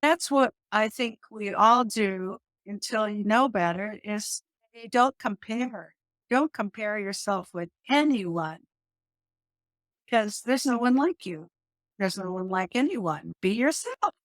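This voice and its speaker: A middle-aged woman, a yoga teacher and hypnotist, talking animatedly in an interview, often laughing and restarting her sentences, with a calming voice. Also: medium pitch, slow pace, dry recording. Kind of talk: conversational interview.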